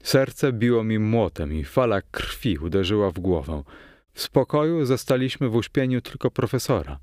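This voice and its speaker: Low-voiced man reading a novel aloud. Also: no echo, studio quality. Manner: measured, steady first-person storytelling. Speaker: audiobook narrator. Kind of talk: scripted narration of a novel.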